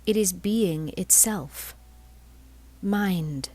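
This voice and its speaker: A woman reading a spiritual text aloud as scripted narration, in measured phrases with deliberate pauses. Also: on the low side, dark tone. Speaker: reader of a spiritual blog.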